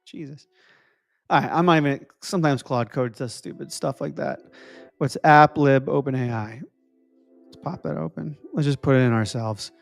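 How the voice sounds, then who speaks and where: A man's voice: medium pitch, normal speed, vocal fry, soft background music. A young man from New Jersey hosting a live stream, thinking aloud as he codes and answering viewers in casual chat.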